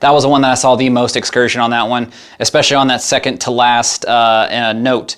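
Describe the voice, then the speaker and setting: Talking at a fairly quick pace, a man uses an ordinary speaking voice at medium pitch. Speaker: home theater installer and reviewer. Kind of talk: product review video. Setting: shop.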